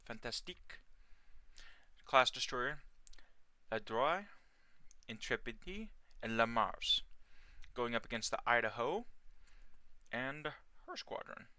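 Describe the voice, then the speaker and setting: A man giving casual, unhurried let's play commentary in a slightly hoarse, sore voice, recorded as a voice-over. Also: mid-range voice, expressive, pushed and bright, dry recording. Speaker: host of a video game series. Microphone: close dry mic, gameplay voice-over.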